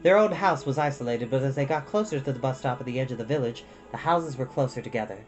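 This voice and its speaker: A woman reading a children's novel aloud as an expressive storyteller. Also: rumbling low, quick pace, muffled recording, faint music behind. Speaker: storytime reader. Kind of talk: expressive scripted storybook narration.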